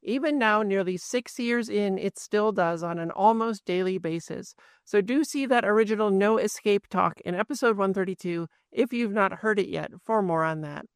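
A woman hosting a podcast, speaking earnestly in a steady, scripted personal monologue. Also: medium pitch, normal speed, few pauses, smooth, no echo, studio quality. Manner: earnest, steady, with show plugs. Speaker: podcast host.

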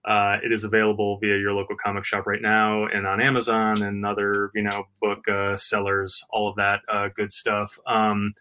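A man's voice: on the low side, completely flat delivery, normal speed, hardly any pauses, bright, forceful tone, clean tone. A man co-hosting a podcast, chatting casually and rambling with lots of filler words and jokes. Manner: rambling, full of "uh" fillers, jokey. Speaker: podcast co-host.

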